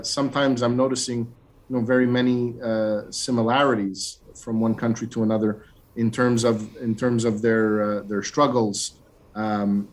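A middle-aged man, a school commissioner, asking a question on a video call, hesitant and full of fillers. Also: mid-range voice. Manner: hesitant, many fillers and restarts. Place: dim room at home.

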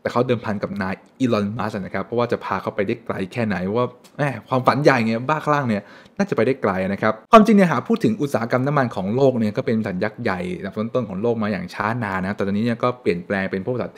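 Young male host, brisk and animated to camera, at home on a desk mic. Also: lowish voice. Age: young adult. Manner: animated, chatty, frequent polite particles. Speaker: finance channel host. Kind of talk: casual explainer talk to camera. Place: home room with shelves, indoors.

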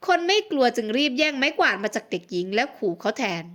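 Woman narrator, high-pitched, steady, expressive, romance audiobook. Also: fast talker. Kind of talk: scripted narration.

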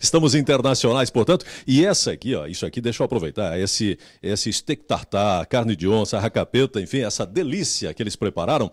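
A man's voice: fairly low pitch, lively intonation, fairly quick, few pauses, no room sound, clean studio sound. Upbeat Brazilian male TV reporter. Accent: Brazilian Portuguese. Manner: upbeat, exclaiming, repeats words. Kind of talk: live TV cooking segment. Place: home kitchen. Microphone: handheld mic.

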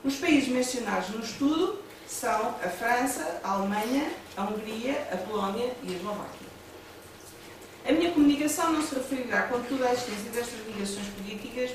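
Woman, European Portuguese accent, measured academic speaker at a panel; distant mic in a reverberant room. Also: fairly high pitch. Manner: measured, reads from notes with hesitant asides. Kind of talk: conference presentation. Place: seminar room with a panel table. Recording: echoey room, distant mic, background noise.

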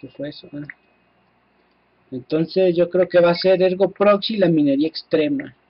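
A Mexican man commentates his game for his viewers, excitable and quick to swear. His voice is husky and sits a little high. The sound is dull and lo-fi, like a cheap home microphone. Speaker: gameplay commentator. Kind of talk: casual let's-play commentary.

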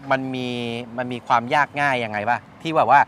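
A man presents a casual review in a medium-pitched voice. He explains points step by step and repeats answers to confirm them. Light outdoor traffic noise sits behind his talk. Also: fairly quick, a bit bright. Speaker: host, motorcycle reviewer. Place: at a shop beside traffic.

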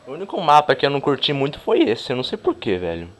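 A man giving casual, crude, joking commentary over a game he plays, breaking into excited shouts. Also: mid-range voice, quick pace. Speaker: gameplay commentator.

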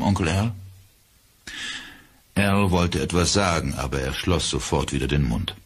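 Deep, husky male audiobook narrator. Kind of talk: scripted horror audiobook narration.

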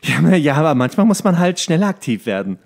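A man's voice: fairly high pitch, sing-song, fast talker, gravelly. A man co-hosting a podcast in casual chat, telling stories in a grumbling, exasperated way and acting out dialogue. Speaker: podcast co-host. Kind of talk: casual comedic chat, storytelling.

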